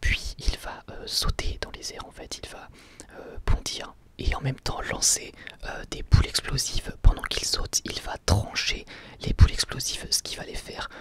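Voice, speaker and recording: Guy doing asmr review, all whispered, crisp bright sound, kinda hesitant and informal. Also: normal speed. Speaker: ASMR YouTuber reviewing anime.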